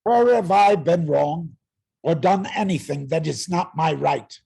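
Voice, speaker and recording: An actor playing an arrogant, menacing herald in a Greek tragedy reading, threatening and declamatory in a rasping voice. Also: male voice, a little high, measured pace, mellow, full character voice. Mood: defiant. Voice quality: gravelly, rasping. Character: menacing, arrogant herald claiming women as property. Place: online video-call reading.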